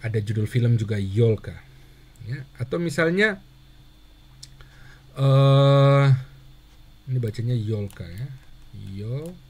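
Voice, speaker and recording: A man teaching a handwriting lesson, patient and steady, who asks questions and answers them himself. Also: medium pitch, takes it slowly, long pauses, slight background noise. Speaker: Russian language teacher.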